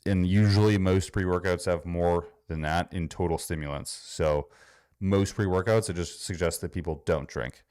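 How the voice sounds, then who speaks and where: Deep-voiced Minnesotan man, blunt and sarcastic. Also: steady tone, normal speed, darkish tone, smooth, no echo, studio quality. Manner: blunt, sarcastic, swears freely. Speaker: fitness coach reacting to a video. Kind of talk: casual reaction commentary.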